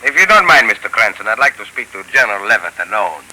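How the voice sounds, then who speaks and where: An actor playing a scheming professor who is a cold, calculating hypnotist villain, in a 1930s radio drama. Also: male voice, on the low side, very animated, fast. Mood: suave. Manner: smooth, coldly calculating. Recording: old radio broadcast, faint hiss.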